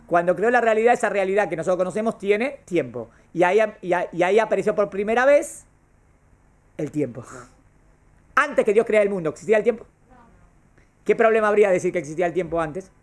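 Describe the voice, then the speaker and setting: A man's voice: sits high, expressive, fast talker. A man, teaching a class on Jewish thought, asking the class questions and answering them himself. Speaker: Torah teacher.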